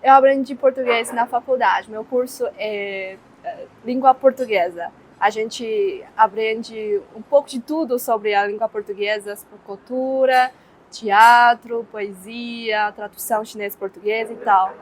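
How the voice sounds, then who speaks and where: A woman's voice: a little high, measured pace, poor audio. A young woman from China with a Chinese accent, answering interview questions in a hesitant way with many fillers.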